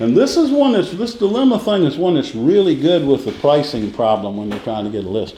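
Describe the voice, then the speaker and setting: Amid noticeable background noise and audible room echo, a man with a high pitch talks at a moderate pace. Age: 80s+. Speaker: real estate sales trainer. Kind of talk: training class lecture. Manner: conversational, repetitive.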